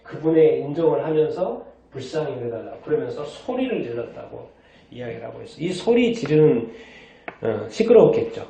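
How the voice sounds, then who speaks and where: A man's voice: on the high side, sing-song, moderate pace, creaky, a crowd in the background. A male pastor preaching a sermon, asking the congregation questions and then answering them himself. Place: church sanctuary. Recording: distant, echoey, dull church recording.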